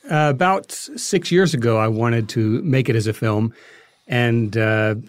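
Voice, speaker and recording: A man's voice: fairly low pitch, dry recording. A man speaking as an interview guest, answering in a conversational style.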